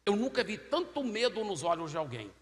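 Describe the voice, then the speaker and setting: A man preaching a sermon, telling a story and acting out every voice, swinging from loud to hushed. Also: high voice, sing-song, brisk. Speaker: pastor. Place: large church hall. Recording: echoey church hall, faint noise.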